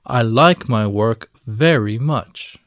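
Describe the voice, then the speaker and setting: Slow, carefully spoken male lesson reader. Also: mid-range voice, a bit bright, no room sound, studio quality. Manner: slow, clearly enunciated reading. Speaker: textbook audio reader. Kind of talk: scripted language-lesson recording.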